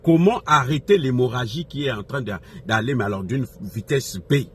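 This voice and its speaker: A man speaks in a medium-pitched voice as a political commentator. He talks off the cuff and with passion, hammering phrases by repeating them and throwing out rhetorical questions. There is noticeable ambient noise behind him. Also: normal speed. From Africa. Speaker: political commentator addressing followers. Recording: noisy recording with background ambience.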